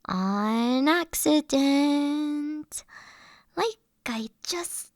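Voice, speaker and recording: A woman's voice: high-pitched, lively intonation, very slow, no room sound, studio quality, full character voice. A woman playing an eager, anxious young college dragon in a roleplay audio drama, gushing and rambling, stammering when flustered. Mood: flustered, embarrassed.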